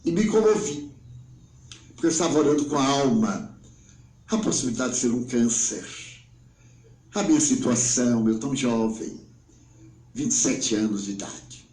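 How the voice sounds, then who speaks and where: A man's voice: mid-range voice, expressive, moderate pace, long pauses, echoey room, low-quality recording. Elderly Brazilian man telling a dramatic tale. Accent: Brazilian Portuguese. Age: 90s. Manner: dramatic, swinging between hushed and exclaiming. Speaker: spiritual speaker. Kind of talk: emotional storytelling lecture.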